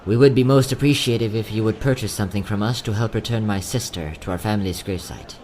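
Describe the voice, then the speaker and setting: A man playing a courteous, quietly sad young travelling merchant in a fantasy audio drama, speaking in polite, theatrical salesman's patter. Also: lowish voice, quick pace, slight background noise, close to an everyday voice. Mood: grieving. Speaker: voice actor.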